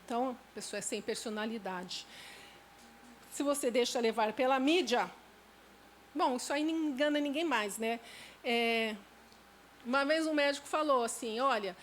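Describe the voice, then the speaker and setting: High-voiced Brazilian woman preaching casually. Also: normal speed, pauses often, a bit bright, slight background noise. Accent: Brazilian Portuguese. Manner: conversational, acts out everyday quotes. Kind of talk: informal sermon at a church camp. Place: church camp meeting space.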